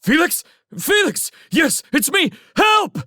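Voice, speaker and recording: A man voicing a panicked, combative soldier scout in frantic shouts, in a dramatic audiobook style. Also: very animated, slow pace, no room sound, studio quality, exaggerated voice. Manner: frantic high-pitched shouting. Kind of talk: dramatic audiobook character acting.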